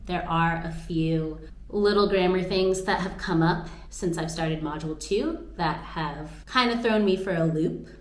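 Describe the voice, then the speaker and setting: Young American woman, slightly low voice, personal vlog narration, echoey room, faint music behind. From United States, Atlanta, Georgia. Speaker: vlogger. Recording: roomy echo with music underneath.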